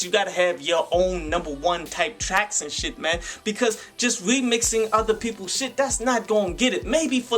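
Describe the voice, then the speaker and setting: A man's voice: high voice, fairly bright tone. An American man hosting a video review show with casual, opinionated commentary and slangy, sweary talk. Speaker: host of a YouTube review show. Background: music behind the voice.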